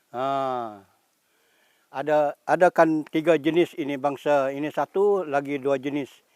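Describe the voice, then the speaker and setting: Recorded dry and close with no echo, a man with a fairly high pitch and fairly even intonation talks fairly slowly, with long, frequent pauses. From Malaysia, Orang Asli community. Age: 60s. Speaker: traditional musician. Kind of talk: interview explanation.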